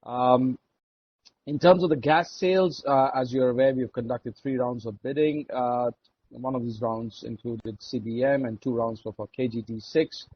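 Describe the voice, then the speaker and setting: Husky Indian-accented man on a muffled call. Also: mid-range voice, fairly even intonation, moderate pace, dry recording. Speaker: oil and gas executive. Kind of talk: earnings call presentation. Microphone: conference call line.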